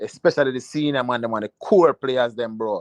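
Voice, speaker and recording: A man talks in an animated tone with a Jamaican accent. The sound is dry and close with no echo, over a quiet background. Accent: Jamaican Patois. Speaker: football commentator. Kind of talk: live reaction rant.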